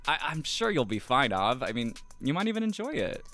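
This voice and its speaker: A woman's voice: rumbling low, very animated, fairly quick, a bit bright, faint music behind, full character voice. A woman playing a supportive, teasing friend in an audio drama, casual and reassuring. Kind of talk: naturalistic audio drama acting.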